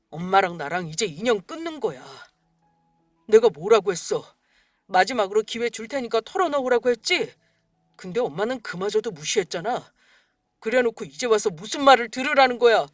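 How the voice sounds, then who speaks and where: A grown son, betrayed and furious, hurls accusations at his mother in a story radio drama, played by a woman. The voice is high and swings widely, and it is recorded dry and close. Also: animated, moderate pace, no echo, faint music behind. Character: angry grown son, young man, betrayed.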